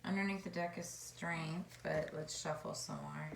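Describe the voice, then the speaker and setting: A woman with a hoarse voice giving a casual tarot card reading, chatty and meandering as she muses aloud. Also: low voice, steady tone, a little slow, very noisy. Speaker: tarot reader. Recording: echoey room.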